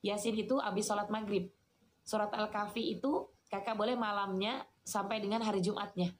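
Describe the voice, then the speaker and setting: A woman, giving a lively, chatty sermon and answering questions from the audience. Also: mid-range voice, fairly quick. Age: 40s. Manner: chatty, teasing, addresses listeners as "Kak". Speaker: Islamic preacher.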